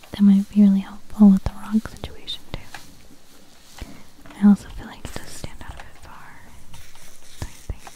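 A woman whispers in a relaxed tone at a moderate pace. Long pauses come often. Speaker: ASMR content creator. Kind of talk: soft-spoken gaming ASMR talk to camera. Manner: soft-spoken, relaxed. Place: home room.

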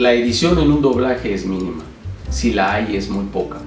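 With clear music playing behind him and audible room echo, a man talks at a fairly quick pace. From Peru. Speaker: dubbing director and voice actor. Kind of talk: interview answer about his craft, explanatory talk. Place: home room.

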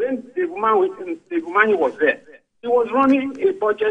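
A man's high-pitched voice at a very slow pace. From Nigeria. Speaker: caller. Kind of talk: call-in opinion. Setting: phone call. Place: home room. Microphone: video call.

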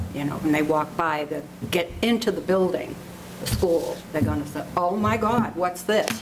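A woman at a fairly low pitch and moderate pace, lively in intonation, with noticeable background noise. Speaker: committee member. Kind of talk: committee meeting discussion. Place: meeting room. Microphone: camera far.

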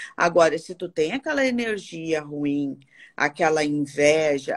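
A woman speaks with a fairly low pitch. Her intonation is lively, and the background is quiet. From southern Brazil, Rio Grande do Sul (São Leopoldo); Rio Grande do Sul, Brazil. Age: 30s. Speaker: holistic therapist; interview guest. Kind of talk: casual interview. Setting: remote video call. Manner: loud. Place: home room.

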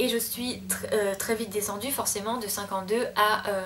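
Monotone, flat intonation at a moderate pace, with light background noise. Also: woman. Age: 20s. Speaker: vlogger. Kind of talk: casual talk to camera. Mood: serious, reflective, a bit hesitant. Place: home room. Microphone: webcam.

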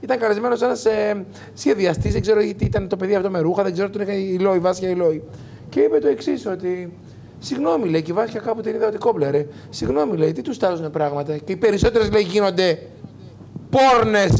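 A man talks at a fairly quick pace with a high pitch and ordinary pitch variation. Light background noise sits behind him. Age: 40s. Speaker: TV talk show guest; talk show guest. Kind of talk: heated TV interview. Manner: animated. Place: studio. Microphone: lapel.

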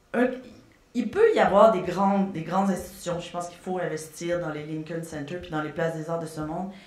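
A woman with a fairly low voice talks at a fairly quick pace with fairly even intonation, her words carrying audible room echo. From Quebec. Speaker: journalist. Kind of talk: panel talk. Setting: stage with audience. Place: hall.

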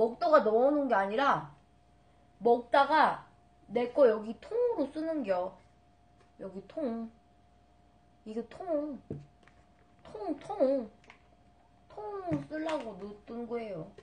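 Very wide pitch swings at a very slow pace, with long, frequent pauses. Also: woman, high pitch for a woman. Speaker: live streamer. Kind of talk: casual stream chat. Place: home room.

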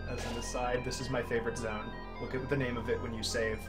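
Plain reading aloud goes on with fairly even intonation.

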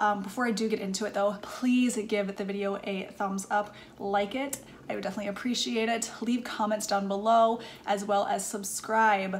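Against light background noise, a woman keeps a moderate pace and fairly even intonation. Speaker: beauty vlogger. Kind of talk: casual vlog chat. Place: home room. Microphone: camera far.

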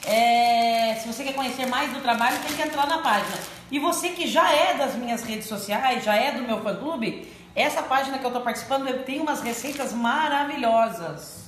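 The pace is moderate, with audible room echo. Light background noise sits underneath. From Santa Catarina, southern Brazil. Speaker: cake decorating instructor. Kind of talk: live tutorial. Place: kitchen. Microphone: phone near.

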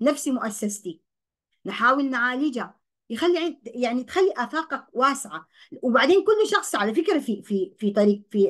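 The speaker's pitch swings very widely at a moderate pace over a quiet background. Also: woman. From Sudan. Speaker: bank manager and customer service trainer; customer service trainer. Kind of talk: lecture. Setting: video call. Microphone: webcam.

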